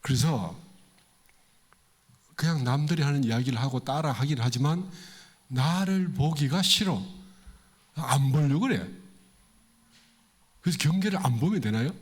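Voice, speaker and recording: A male pastor preaches conversationally to a congregation in a temple hall, asking listeners questions and acting out quoted voices with big pitch swings. His slightly rough voice has lively intonation, a somewhat slow pace and long pauses.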